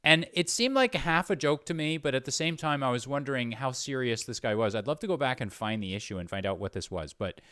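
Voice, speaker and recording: A man's voice: mid-range voice, expressive, fast talker, few pauses, pushed and bright, dry recording. Man, casual interviewer, hesitant, rambling, self-correcting, dry recording. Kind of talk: casual conversation.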